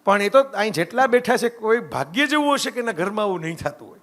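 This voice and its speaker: High-voiced man giving a storytelling talk. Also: animated, quick pace, a bit bright. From Gujarat, India. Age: middle-aged. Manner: conversational, keeps asking "right?" to the audience. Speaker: speaker giving a lecture.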